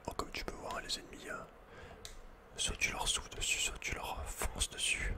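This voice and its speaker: A man's voice: very high-pitched, normal speed, bright, forceful tone. A man whispering breathily as an ASMR host playing a video game, chatting informally with playful asides.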